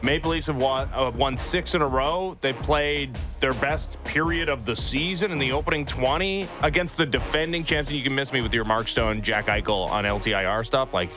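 A man's voice: medium pitch, normal speed, hardly any pauses, music in the background. A man hosting sports talk radio, emphatic and opinionated, close on a studio mic. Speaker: sports radio morning show host. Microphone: close studio microphone.

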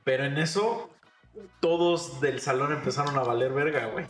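A man's voice: mid-range voice, normal speed, a bit bright. A young man with a Mexican accent telling a crude school story in laid-back casual chat. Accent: Mexican Spanish. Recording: echoey room, faint music.

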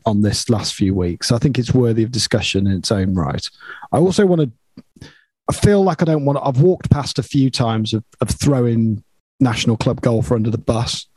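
A man's voice: mid-range voice, dark tone, husky, dry recording. A man hosting a casual sports discussion, talking discursively and often tagging points with a question. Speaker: podcast host steering the agenda.

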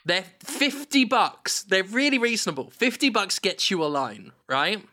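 A man co-hosting a comedy podcast, spinning absurd made-up stories with a deadpan delivery. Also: high-pitched, measured pace. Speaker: podcast co-host. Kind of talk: improvised comedy chat.

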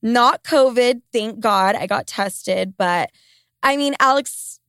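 A woman's voice: on the high side, takes it slowly, fairly bright tone, smooth, no echo, studio quality. A woman in her late twenties with a congested, stuffy-nosed voice, talking casually and candidly as a solo host, swearing and grumbling comically. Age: late 20s. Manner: profane, comically complaining. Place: small basement home studio. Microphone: close studio microphone.

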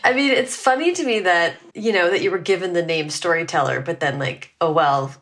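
A woman's voice: fairly low pitch, fairly quick, a bit bright. A woman hosting a podcast interview, asking questions enthusiastically and backing up her guest with frequent mm-hmms. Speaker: podcast host. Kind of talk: casual interview conversation.

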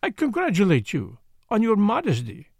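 Detective role: older, French accent, vain yet kindly, formal and theatrical, lively high-set delivery, audiobook. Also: male voice, normal speed, vocal fry, breathy edge, no room sound, clean studio sound, exaggerated voice. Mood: teasing, kindly. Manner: formal, courteous, emphatic phrasing with inverted word order.

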